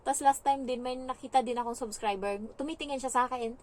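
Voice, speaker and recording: Young Filipina domestic helper vlogging casually, chatty and animated, voice sits a little high. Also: female voice, fast. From Philippines. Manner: chatty, animated storytelling with fillers. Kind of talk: casual storytelling vlog.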